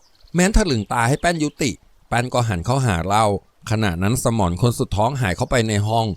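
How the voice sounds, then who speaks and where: Expressive male audiobook narrator. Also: medium pitch, a little fast, no echo. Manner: expressive storytelling. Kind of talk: audiobook novel reading.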